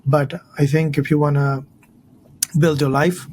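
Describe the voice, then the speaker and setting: Man in his thirties, slightly high voice. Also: flat delivery, measured pace, a little mellow, a little hiss or hum. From India. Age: 30s. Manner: earnest, storytelling, often ends with "right?". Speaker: guest, financial advisor. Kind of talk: casual interview talk.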